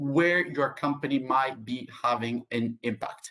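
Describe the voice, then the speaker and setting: A man's bright, sharp tone. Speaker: lawyer presenting at a webinar. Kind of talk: webinar presentation. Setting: online webinar.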